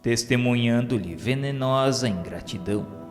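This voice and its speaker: A man's voice: medium pitch, measured pace. A man with a Brazilian accent reads a scripted religious radio novela as narrator, in a solemn, formal manner. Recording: long hall reverb under music. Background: music.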